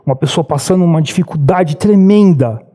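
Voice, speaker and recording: A man's voice: brisk, warm tone. A man in his thirties with a Brazilian accent, preaching a sermon in church and telling stories earnestly. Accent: Brazilian Portuguese. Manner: earnest storytelling preacher, rises in pitch when urging. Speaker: pastor. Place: church sanctuary.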